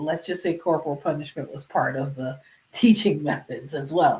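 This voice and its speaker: Somewhat breathy, a woman talks at a moderate pace in a fairly low pitch with ordinary pitch variation. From Jamaica. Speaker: co-host, credit specialist. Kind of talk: casual chat.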